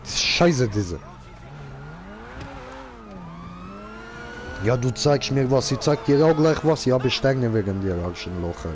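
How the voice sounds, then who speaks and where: A man's voice: mid-range voice, animated, moderate pace, background noise, close to an everyday voice. A young man playing a boastful, car-loving character who speaks in broken grammar and keeps repeating the same filler word, commenting on a game. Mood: indignant.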